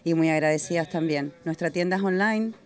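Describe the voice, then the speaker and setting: Low-voiced woman, relaxed. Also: a little fast. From Argentina. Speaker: fashion brand founder. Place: indoors in a busy restaurant. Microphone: handheld mic held by interviewer.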